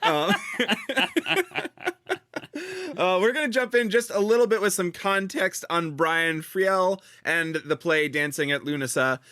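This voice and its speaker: A man from the United States co-hosting a podcast, talking casually with halting fillers and repeats. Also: high-pitched, sharp tone, no room sound, clean studio sound. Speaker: podcast co-host.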